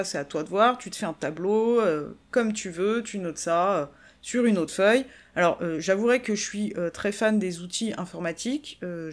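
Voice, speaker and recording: French woman doing a casual solo podcast, chatty and informal, middle pitch. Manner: chatty, informal, addresses listener as tu. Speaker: podcast host, business coach.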